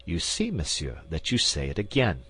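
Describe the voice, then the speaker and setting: A man voicing a calm, aloof musketeer around thirty who speaks quietly and dryly. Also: low voice, moderate pace, husky, full character voice.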